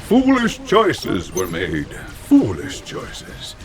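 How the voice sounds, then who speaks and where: An old eccentric game scientist who speaks very slowly, his voice swooping wildly up and down as he muses on his mistakes. He keeps murmuring to himself, fatherly and regretful, and loud music plays behind him. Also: sits low, huge pitch swings, full character voice. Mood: remorseful. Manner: slow, musing, repeats himself with "oh, yes". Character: elderly eccentric male scientist, remorseful and fatherly.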